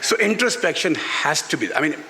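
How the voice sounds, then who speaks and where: A man's voice: a little high, sing-song, brisk, pushed and bright. A middle-aged man with a Pakistani accent answers candidly as an author at a live event, speaking emphatically and repeating phrases for stress. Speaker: author on a festival panel. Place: live literary festival session in a garden venue. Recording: live event with background noise.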